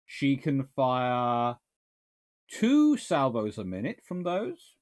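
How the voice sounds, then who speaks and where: A man's voice: medium pitch, wildly swooping pitch, slow, a little mellow. A man, a naval historian answering viewer questions in a casual live Q&A, rambling and correcting himself as he thinks aloud. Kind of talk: casual livestream Q&A. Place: small home study lined with books.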